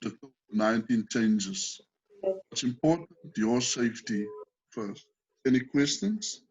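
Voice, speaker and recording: A man's voice: mid-range voice, expressive, a little slow, a little mellow, breathy edge. A South African man teaching first aid on a video call, patiently explaining steps and asking the group questions. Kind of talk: online training session. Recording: dull lo-fi call audio.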